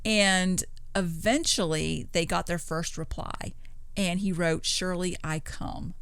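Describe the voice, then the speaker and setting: Female podcast co-host, lower register, relaxed conversational retelling of spooky stories, very dry recording. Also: slow pace, clean tone, no room sound. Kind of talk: casual retelling of paranormal stories.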